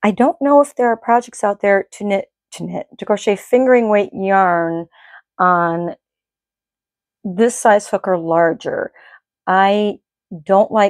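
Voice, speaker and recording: A woman with an ordinary speaking voice talks at a medium pitch with ordinary pitch variation. The sound is dry and close with no echo, over a quiet background. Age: 50s. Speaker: knitting podcaster. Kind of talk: casual chat. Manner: rambling with frequent fillers.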